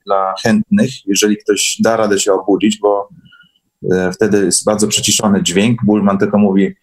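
A man's voice: lowish voice, level tone, moderate pace, low-quality recording. A man speaking as a guest in a casual online interview, explaining things conversationally. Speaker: guest recounting course experiences. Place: online call.

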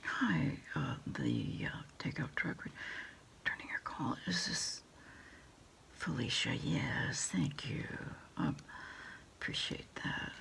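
A middle-aged woman murmurs through an ASMR phone-order roleplay in a whispery voice full of crackling fry. She speaks very slowly and hesitantly, and her pitch wanders widely whenever the voice breaks out of the whisper. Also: wildly swooping pitch. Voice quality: whispery, breathy, mostly unvoiced. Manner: hesitant, soft-spoken, halting with pauses. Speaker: ASMR roleplayer acting as food delivery order taker. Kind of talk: quiet ASMR roleplay, one-sided phone call. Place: small dim desk corner indoors.

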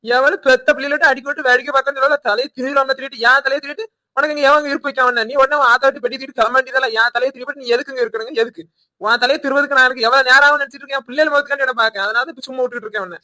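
Cartoon: man as an indebted husband, rapid and sharp, dry close voice, Tirunelveli Tamil. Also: very high voice, fairly even intonation, no room sound, exaggerated voice. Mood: angry. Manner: fast, defensive, pleading. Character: idle indebted village husband and father. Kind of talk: animated cartoon voice acting.

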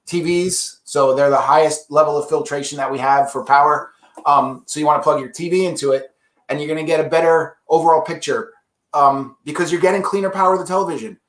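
A man's voice: on the high side, brisk, fairly bright tone, echoey room. A man representing an audio brand, casually explaining products in an enthusiastic, salesy way.

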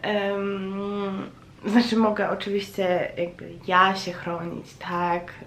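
A woman talking casually to her vlog audience in a hesitant, reflective way, with frequent pauses. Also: mid-range voice, little pitch movement, fairly bright tone. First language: Polish. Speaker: vlogger. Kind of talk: casual chatty personal vlog monologue. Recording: roomy echo, faint background noise.

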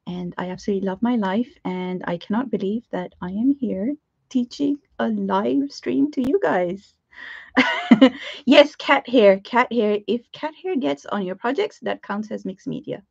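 A woman in her thirties from Pakistan with a Pakistani English accent, chatting warmly with live viewers as she hosts a craft lesson from her home studio, filling her talk with ums and quick laughs. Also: mid-range voice, vocal fry, husky, no room sound. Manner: bubbly, greets viewers, frequent laughs and fillers. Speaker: art teacher hosting a live stream. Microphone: webcam at desk. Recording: dry, slightly dull webcam audio.

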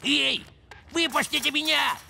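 A man's voice: very high-pitched, steady tone, a little slow, vocal fry, noisy background, exaggerated voice. A man voicing a small, clever wolf in a cartoon, pleading and reasoning. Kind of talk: animated cartoon acting.

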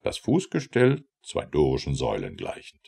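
Guy reciting a long poem, really deep voice, super animated and theatrical. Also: normal speed, gravelly, breathy edge. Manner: theatrical, declamatory. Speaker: audiobook narrator. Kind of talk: expressive verse recitation.

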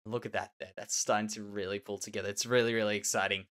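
A man's voice: lowish voice, little pitch movement, fast, fairly bright tone. An Australian man with a nasal, slightly tender voice, musing and repeating words as he comments on his own Minecraft building. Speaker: Minecraft let's play host. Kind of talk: casual gameplay commentary.

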